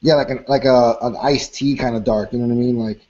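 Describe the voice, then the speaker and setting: A man's voice: medium pitch, steady tone, fast, dark tone, dull audio. A man describing a beer on a video call, rambling with many fillers. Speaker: co-host. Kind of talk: casual beer tasting chat.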